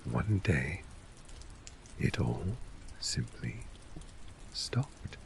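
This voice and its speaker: In a soft-spoken ASMR fantasy role play, a man voices a cynical, world-weary fort official, measured and sardonic, his delivery sometimes sinking toward a whisper. His pitch is fairly low and creaky, the performance is heavily acted, and there's slight background noise.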